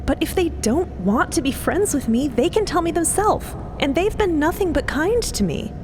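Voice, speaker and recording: Audio drama: earnest, awkward young woman, played by a female narrator; high, lively, halting delivery; rumbling ambience. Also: background noise. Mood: earnest, flustered. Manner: hesitant, earnest, rambling. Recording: steady rumbling ambience under voice.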